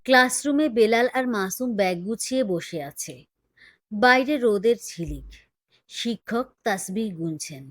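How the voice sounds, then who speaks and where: A woman's voice: on the high side, animated, moderate pace, slight background noise. A woman narrator reading a scripted horror story. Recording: prominent music bed behind voice.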